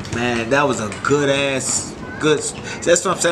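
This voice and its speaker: Noticeable background noise runs under the voice. A man with an American accent speaks at a moderate pace. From Detroit, West Side; Detroit. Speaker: retired professional boxer. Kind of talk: casual interview. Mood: relaxed, confident storytelling. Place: garden.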